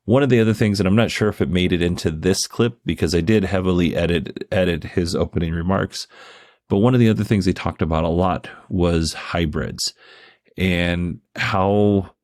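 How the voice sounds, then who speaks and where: A man with a distinctly low voice talks casually as a commentator, close and dry in the recording. He explains things conversationally and shares his opinions freely. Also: darkish tone, no room sound. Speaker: host commentator. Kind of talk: casual commentary on a company earnings call.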